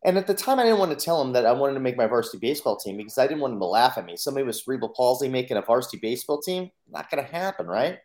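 A man's voice: mid-range voice, big pitch swings, racing, few pauses, a little mellow. Earnest man telling his life story. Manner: earnest, acts out his own inner voice in quotes. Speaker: podcast guest. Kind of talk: personal storytelling.

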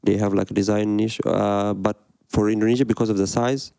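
A man from Egypt in his thirties talks through interview answers with a gravelly, fry-edged voice and a dark, mellow tone. He speaks hesitantly, full of fillers and restarts, and the recording is dry and close. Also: fairly low pitch, level tone, a little fast, no room sound. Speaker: guest, design studio director.

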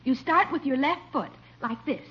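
An actress playing a teasing, coaxing young niece in a 1950s radio sitcom. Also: female voice, high-pitched, moderate pace, close to an everyday voice. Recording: dull old radio broadcast.

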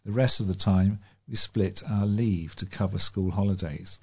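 This is a British man with a fairly low voice and a very soft, mellow tone. He reads scripted local news and letters as a volunteer newsreader. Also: steady tone, moderate pace, slightly rough. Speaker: volunteer newsreader for a talking newspaper.

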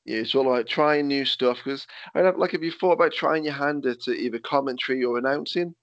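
This male podcast host talks briskly in a medium-pitched voice, with no echo. He has a slight lisp and asks rambling, filler-laden questions during a casual chat heard through dull, lo-fi remote call audio.

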